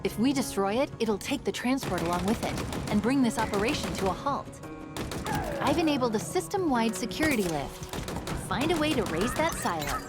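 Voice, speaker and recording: An upbeat young military AI companion from a video game. She gives mission briefings briskly and eagerly, with a chatty touch. Loud music plays behind her. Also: a little high, sing-song. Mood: briefing, curious.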